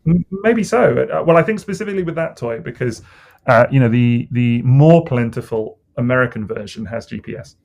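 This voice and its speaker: Gravelly man, rambling chat. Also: medium pitch, fairly quick, a little mellow. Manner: rambling, hesitant, lots of fillers. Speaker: podcast co-host. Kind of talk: casual chat.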